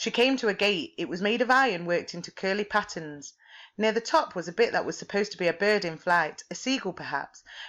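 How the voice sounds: The sound of a natural reading voice.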